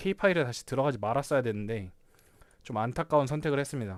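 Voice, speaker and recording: A man is speaking. His intonation is lively. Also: very clean recording, silent background. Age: 30s. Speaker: crypto YouTuber, office worker. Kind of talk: casual live-stream chat.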